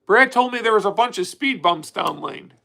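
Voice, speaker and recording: A man's voice: high voice, animated, moderate pace, creaky, sharp tone. A man in his late thirties hosting a casual livestream, talking candidly and rambling with frequent restarts as he answers viewer comments. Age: 30s. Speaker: livestream host.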